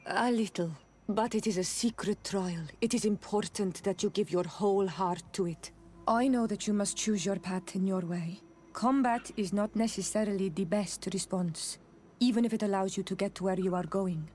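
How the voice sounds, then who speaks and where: A woman's voice: medium pitch, moderate pace, mellow, in a large hall, a little hiss or hum, close to an everyday voice. An actress voicing a solemn, devoted young female tribal healer in a video game, with earnest, careful, slightly formal delivery. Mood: earnest advice.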